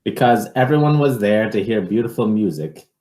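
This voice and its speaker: A man reading a picture book aloud to children in an expressive, measured way, with informal asides. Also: fairly low pitch, reverberant.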